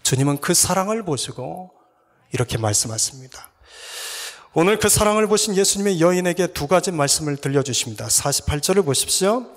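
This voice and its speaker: A male pastor preaching a sermon, earnestly putting rhetorical questions to his congregation and sometimes dropping to a soft whisper. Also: a little high, expressive, fairly quick. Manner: earnest, addresses listeners with repeated rhetorical questions. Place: church sanctuary. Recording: long reverb of a church hall.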